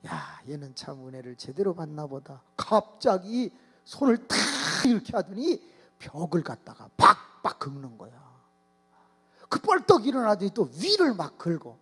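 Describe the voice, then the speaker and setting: A male pastor delivering a sermon, telling stories with lively energy and acting out children's voices and shouts. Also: fairly high pitch, moderate pace, slightly rough. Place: church sanctuary. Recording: long hall reverb with mains hum.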